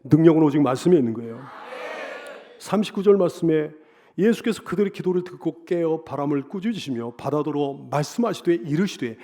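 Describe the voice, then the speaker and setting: A man preaching a Sunday sermon in a high voice. He hammers home repeated phrases and rhetorical questions, swelling loud on the key lines and sinking low between them. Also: expressive, brisk. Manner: emphatic repetition and rhetorical questions. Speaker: pastor.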